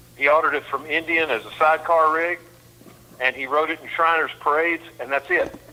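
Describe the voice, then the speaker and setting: There is noticeable noise behind this man, whose voice sits fairly high. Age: 70s. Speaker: motorcycle collector and seller. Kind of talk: phone interview.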